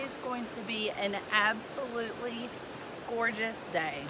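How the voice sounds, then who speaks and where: Here a woman speaks at a very slow pace with ordinary pitch variation. The sound is dry with no echo, though background noise is noticeable. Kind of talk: casual vlog chat. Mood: cheerful, upbeat. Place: forest. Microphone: phone near.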